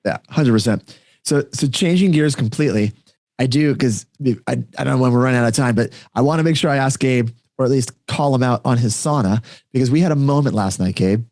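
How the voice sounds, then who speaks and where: A man's voice: medium pitch, a little fast, darkish tone, no echo, studio quality. A man co-hosting a podcast, chatting casually and rambling along with plenty of filler slang. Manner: chatty, rambling, peppers talk with "like" and "dude". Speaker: podcast co-host. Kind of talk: casual chat among friends.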